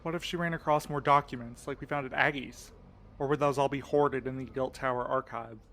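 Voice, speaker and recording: A man's voice: medium pitch, steady tone, fairly quick, creaky, a bit bright, a little hiss or hum. A man acting in an audio drama as a cautious, exasperated and sardonic young sleuth with a wry, insistent manner.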